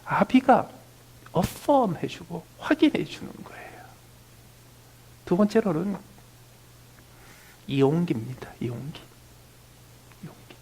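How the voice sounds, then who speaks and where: Gravelly Korean pastor, hushed delivery. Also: male voice, very animated, takes it slowly, long pauses, rough recording. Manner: drops to a near whisper on key phrases, then rises again; acts out quoted family dialogue in a higher, louder voice. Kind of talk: sermon.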